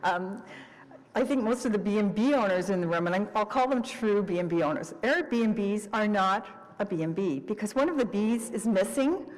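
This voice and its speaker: A woman answers a committee's questions in a steady mid-range voice. She explains and clarifies with confidence. The council chamber adds a long echo. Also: medium pitch, moderate pace. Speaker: bed and breakfast owner answering questions. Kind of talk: public testimony Q and A.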